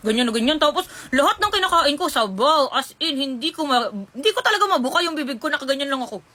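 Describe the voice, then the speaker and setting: A woman's voice: high voice, lively intonation, quick pace, bright, forceful tone. A young woman telling chatty storytime anecdotes to her viewers, calling them "te" and mixing in English phrases. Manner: chatty, gossipy, addresses listeners as "te", mixes in English. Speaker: storytime vlogger. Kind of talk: casual storytelling to camera.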